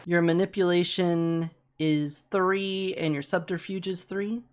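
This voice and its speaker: Halting male game master narrating casually. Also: sits high, fairly even intonation, smooth. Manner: halting, improvised.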